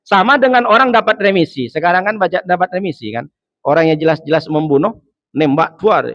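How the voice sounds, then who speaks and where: A male preacher giving a joking, lively sermon, asking the audience questions and rising in emphatic bursts. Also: sits high, a little fast, no echo. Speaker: preacher, ustadz. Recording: dull, dry lo-fi sound.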